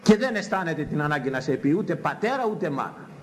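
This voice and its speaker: A man's voice: a little high, very animated. An older man, a priest, giving a sermon on scripture, emphatic and repeating phrases for effect.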